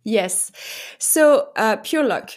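A woman's voice: a little high, lively intonation. A woman with a heavy French accent, a voice actor answering interview questions in a rambling way full of fillers. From France. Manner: rambling, halting with many fillers. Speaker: voice actor guest.

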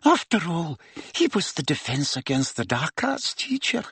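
A man voicing a senior witch professor who speaks in a hushed, grave, measured and regretful way. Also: fairly high pitch, wildly swooping pitch, husky, dry recording, voice pushed up, exaggerated voice. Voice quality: hushed, whispery.

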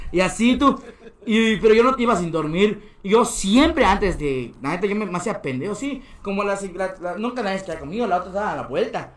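A man's voice: sits high, animated, fairly quick. A young man with a Mexican accent, a podcast guest telling casual stories, laughing often and acting out other people's voices. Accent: Mexican Spanish. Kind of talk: casual storytelling. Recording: echoey room.

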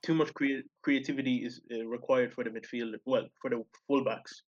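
A man in casual football discussion, explaining haltingly and repeating himself. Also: mid-range voice, fairly even intonation, lo-fi sound.

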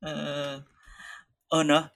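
A man co-hosting a casual political chat podcast, talking in quick asides with laughs. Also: a bit bright. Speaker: co-host.

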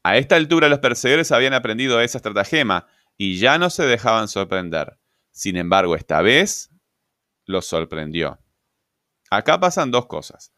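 A man's voice: fairly low pitch, big pitch swings, moderate pace, sharp tone, dry recording, studio quality. A man giving a grammar lecture, explaining patiently and checking in with "¿verdad?" and "este". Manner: explanatory, asks rhetorical questions, frequent "¿verdad?" and "este" fillers. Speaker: grammar teacher.

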